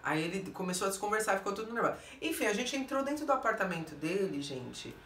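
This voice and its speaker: A woman's voice: mid-range voice, very animated, quick pace, a bit bright, a little hiss or hum. A Brazilian woman vlogger with a Brazilian Portuguese accent, telling a story to her viewers in a blunt, emphatic way that keeps turning to her audience. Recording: roomy echo, distant mic.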